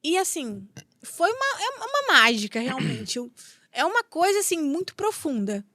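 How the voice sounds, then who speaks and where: A woman's voice: high voice, sing-song, moderate pace, sharp tone, no room sound, studio quality. A Brazilian woman in her thirties, a podcast guest telling a personal story with emotion, repeating herself and acting out what people said. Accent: Brazilian Portuguese. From Brazil, São Paulo state. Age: 30s. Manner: emotional, acts out dialogue with repetitions. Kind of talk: storytelling in an interview.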